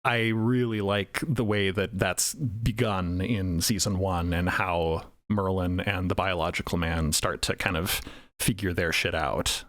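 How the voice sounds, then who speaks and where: A man's voice: sits low, unhurried, no room sound, studio quality. A man on a podcast panel, telling stories with animation and acting out quoted thoughts in a casual roundtable discussion. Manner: animated storytelling, acts out quotes.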